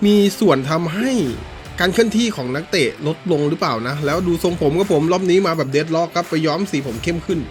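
With soft music playing behind him, a man comments briskly and excitedly as he plays a football video game for his YouTube gaming channel. His casual talk lurches between quiet low mutters and high yelps, peppered with swearing at the game.

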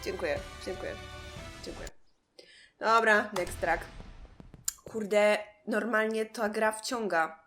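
A Polish woman commentating her own gameplay, reacting loudly and yelling at the game characters. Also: mid-range voice, slow, pauses often, soft background music. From Poland. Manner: exclaims and shouts at the game. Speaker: gameplay streamer. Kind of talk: excited gaming commentary.

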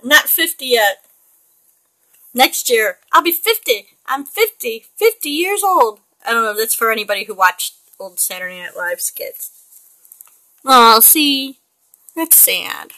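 Chatty woman in her forties, bright dry voice. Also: fairly high pitch, lively intonation, unhurried, dry recording, poor audio. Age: 40s. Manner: chatty, rambling, laughs often. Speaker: digital artist. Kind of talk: casual chat while painting on screen.

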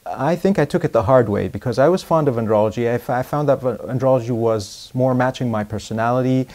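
A man in his forties, born in Egypt, speaking in a calm, even-pitched voice as a guest in an interview. He talks in a measured, thoughtful way and often restarts his sentences. He is recorded close on a lapel mic in a quiet room with curtains. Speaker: urologist guest. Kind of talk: interview conversation.

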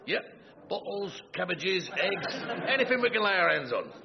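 A cheerful, crooked campaign manager in a radio sitcom. He talks in brash slang with a very lively, swinging melody. The recording is a little dull. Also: high voice, moderate pace, gravelly, a crowd in the background, exaggerated voice. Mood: upbeat. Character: shady, cheerful male wheeler-dealer campaign manager. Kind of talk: British radio sitcom acting. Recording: slightly dull, muffled recording.

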